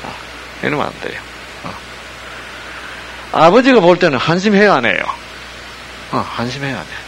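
Animated man preaching, faint hiss. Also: fairly high pitch, moderate pace, poor audio. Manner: animated, asks listeners rhetorical questions constantly. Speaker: pastor. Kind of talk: sermon with call-and-response questions.

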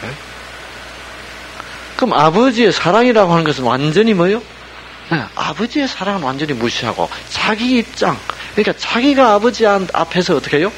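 Guy preaching a sermon, bit high voice, keeps asking the crowd questions, light hiss. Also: fairly quick, rough recording. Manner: animated, asks listeners rhetorical questions constantly. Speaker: pastor. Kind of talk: sermon with call-and-response questions.

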